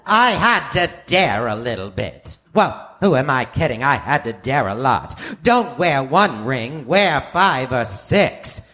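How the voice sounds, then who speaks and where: A man's voice: medium pitch, very animated, pushed and bright, exaggerated voice. Man as a flamboyant, showy vain pianist. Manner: showy, camp, drawn-out. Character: flamboyant, vain male pianist in the mould of a famous showman pianist. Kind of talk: comic sketch radio play.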